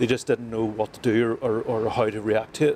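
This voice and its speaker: A man talks in a medium pitch. Noticeable background noise runs behind him. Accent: Northern Irish. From Northern Ireland, Derry. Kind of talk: interview.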